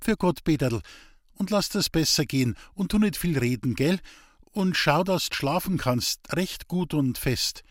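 A man voicing a kind young village woman who speaks softly and gently while nursing a sick man. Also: deep voice, lively intonation, measured pace, dry recording, clean studio sound, pitched above the performer's own voice. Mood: tender. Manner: soft, gentle, caring.

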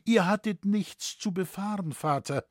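A man's voice: sits high, a little slow, no room sound, clean studio sound, voice pushed up. A man reading an audiobook, voicing an innocent young noble daughter who pleads earnestly.

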